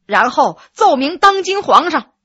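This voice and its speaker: A woman doing a two-faced young disciple, overdone crying, bright dry voice. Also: sits high, sing-song, measured pace, dry recording, exaggerated voice. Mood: smooth persuading. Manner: theatrical crying. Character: two hypocritical male disciples, fake wailing.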